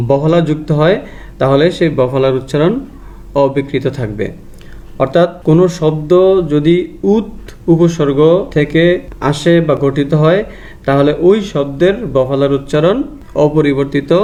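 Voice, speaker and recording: Guy teaching grammar rules with a bangladeshi bengali accent, a bit high, mellow tone, goes over each point again. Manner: methodical, repeats each rule slowly. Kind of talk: grammar lesson to students.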